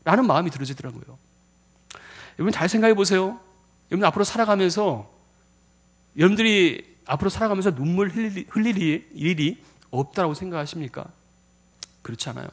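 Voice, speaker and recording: A man's voice: high-pitched, animated, fairly quick, long pauses. A male pastor preaching a sermon in a church, asking the congregation questions. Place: church sanctuary.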